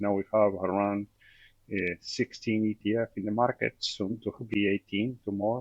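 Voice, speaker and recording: A man with an Argentine accent, fairly low in pitch, monotone and flat in intonation, at a moderate pace, in a dry, close sound with no echo. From Argentina. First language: Spanish. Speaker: investment executive. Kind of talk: interview. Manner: halting, repeats words.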